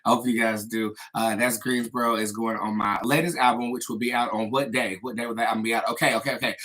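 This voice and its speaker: A man's voice: mid-range voice, little pitch movement, fast, bright, forceful tone. An American man hosting a casual livestream, chatting and making announcements to viewers. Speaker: livestream host, tarot reader.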